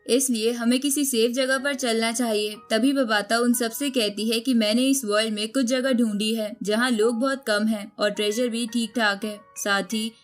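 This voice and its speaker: A woman's voice: a little high, steady tone, normal speed, hardly any pauses. A woman reading a scripted story recap as a narrator, telling the events in storytelling style. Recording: music bed under the voice. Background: background music.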